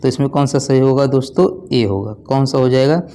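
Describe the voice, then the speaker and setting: A man's voice: medium pitch, a little fast, warm tone. A young man tutoring exam students, explaining spelling by asking questions and answering them himself. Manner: repetitive call-and-response, asks then answers himself. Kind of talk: online exam-prep lesson.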